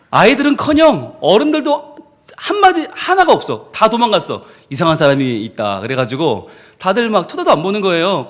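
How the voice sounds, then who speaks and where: A man preaching a sermon as pastor, telling a story in an animated way and acting out the people in it. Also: sits high. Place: church service.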